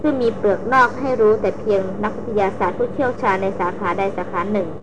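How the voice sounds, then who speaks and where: A woman reading an adventure novel aloud in a steady, measured storytelling manner. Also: mid-range voice, music in the background. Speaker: audiobook narrator. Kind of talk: scripted narration of an adventure novel. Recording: noisy recording with vehicle hum.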